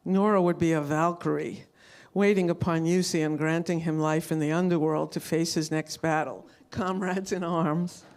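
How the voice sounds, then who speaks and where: A woman's voice: low-pitched, steady tone, moderate pace, a little mellow. A woman reading literary prose aloud at a live event, as an author who adds informal asides. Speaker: author reading from own novel.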